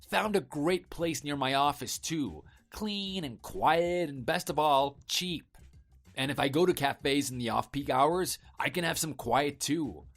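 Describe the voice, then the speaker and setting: A man's voice: a little high, fairly bright tone, heavily acted. A man playing an evasive husband in a scripted online story drama, talking casually and persuasively to placate his wife.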